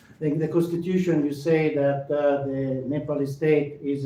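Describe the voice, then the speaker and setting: The speaker has an Italian accent. There is audible room echo. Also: man. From Italy. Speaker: professor. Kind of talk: lecture. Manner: halting.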